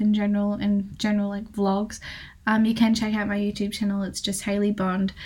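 The woman's medium-pitched delivery comes out somewhat breathy. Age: young. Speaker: podcast host and amateur bodybuilder. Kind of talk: casual solo podcast chat.

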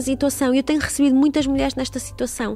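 A woman with a European Portuguese accent speaks in a high pitch with an animated tone. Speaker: sex therapist and podcast host. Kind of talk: casual monologue.

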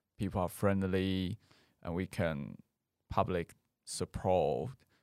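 Speaking fairly slowly with a Mandarin accent, a man with a very deep, low pitch shows vocal fry on a very clean recording with a silent background. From Taiwan. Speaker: former political party youth member. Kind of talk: interview. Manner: halting.

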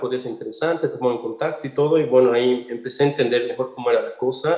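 Over noticeable background noise, a fairly high-pitched man speaks with hardly any pauses. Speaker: game artist. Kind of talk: casual interview. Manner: hesitant, many fillers.

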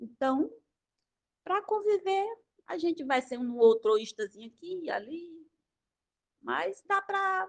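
Pausing long and often, a woman talks at a fairly slow pace in a high pitch with very wide pitch swings. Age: 60s. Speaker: study group participant. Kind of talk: casual chat.

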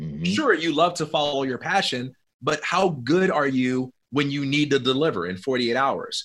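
With an American accent, a man has a plain, everyday voice at a fairly high pitch. He keeps a moderate pace with hardly any pauses. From Chicago, US. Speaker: entrepreneurship educator and speaker. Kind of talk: casual interview.

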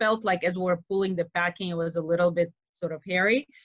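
A woman's fairly low voice with a non-native accent. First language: not English. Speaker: surgeon. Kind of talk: lecture; Q&A answers. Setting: video call.

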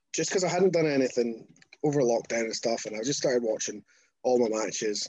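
Speaking very fast in a Scottish accent, a man uses very wide pitch swings. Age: 30s. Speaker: professional wrestler. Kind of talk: casual chat.

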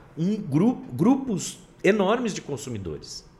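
A man speaks at a fairly slow pace, somewhat breathy. His pitch swings very widely. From interior of São Paulo state, Brazil. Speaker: podcast host. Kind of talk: casual discussion.

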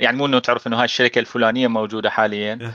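A man speaks at a medium pitch with a bright, sharp tone and a flat, monotone delivery. The sound is dry and close with no echo, over a quiet background. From Iraq. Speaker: games industry business developer. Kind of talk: casual interview.

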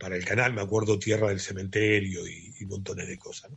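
The man's voice carries some breathiness. He keeps a moderate pace. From Uruguay. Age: 60s. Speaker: journalist and author. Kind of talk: interview.

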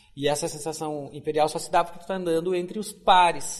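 A man speaks at a moderate pace, with audible room echo and noticeable background noise around his voice. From Rio Grande do Sul, Brazil. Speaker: museology professor. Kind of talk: interview conversation. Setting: conference venue. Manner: gentle, soft-spoken.

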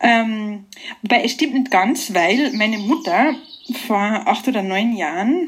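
At a very slow pace, a woman speaks with lively intonation. Her voice is fairly high-pitched and somewhat breathy. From Austria, Carinthia (Klagenfurt). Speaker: organic farmer. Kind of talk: interview. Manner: hesitant, many filler sounds.

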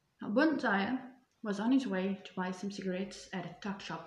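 A somewhat breathy woman's voice at a medium pitch, moderate pace and ordinary pitch variation. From South Africa. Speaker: true crime podcast host. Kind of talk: solo podcast narration of news stories. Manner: casual, chatty asides.

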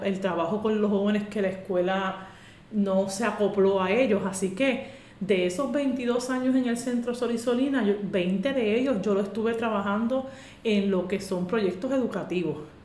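Her pitch is medium as a woman speaks at a moderate pace, with audible room echo and noticeable background noise. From Puerto Rico, metropolitan area. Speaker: podcast co-host, social worker. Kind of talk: casual conversational interview.

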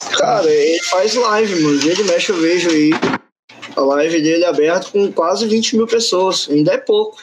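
At a high pitch and moderate pace, a man speaks with ordinary pitch variation and very even loudness. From interior of Rio de Janeiro state, near Espírito Santo border. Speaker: aspiring professional esports player. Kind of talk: casual chat. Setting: live-streamed podcast.

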